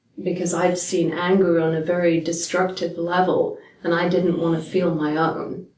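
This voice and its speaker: A woman with an American accent, a fairly low pitch, monotone, flat intonation and audible room echo. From England. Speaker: holistic health practitioner and meditation teacher. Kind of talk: interview.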